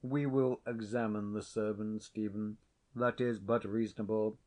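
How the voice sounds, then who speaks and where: A man voicing a stern, cold Scottish laird who speaks in a measured, commanding way. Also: lowish voice, steady tone, dark tone, close to an everyday voice.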